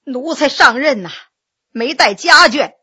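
A nervous, humble male magistrate, as a woman storyteller puts him on, sighing and stammering through his pleas. The voice sits lower than her own yet stays bright and lively in pitch, told as a spoken story. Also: unhurried, heavily acted. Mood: confessing.

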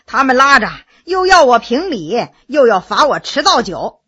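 A witty middle-aged court scholar spins a joke at an unhurried, sly pace, as a woman reads him. The voice sits bright and a little husky. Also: sits high, big pitch swings, heavily acted. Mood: amused.

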